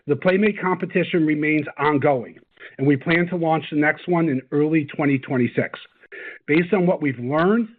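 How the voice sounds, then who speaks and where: A man presenting as a company executive on an earnings call, reading scripted corporate remarks in a formal, measured way. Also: on the high side. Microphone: conference call line. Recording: band-limited, phone-like conference call audio.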